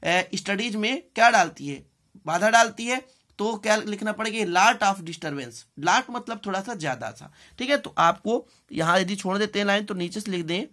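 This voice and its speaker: A woman with an Indian accent teaching English in a bilingual lesson, deliberately repeating phrases, spelling out words and checking in often. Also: mid-range voice, expressive, a bit bright.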